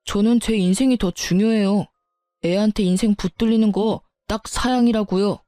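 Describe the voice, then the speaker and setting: A woman's voice: medium pitch, fairly even intonation, moderate pace, warm tone, no room sound, soft background music, close to an everyday voice. A woman voicing a selfish, entitled husband who complains dismissively, in a dramatized story reading. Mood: whiny.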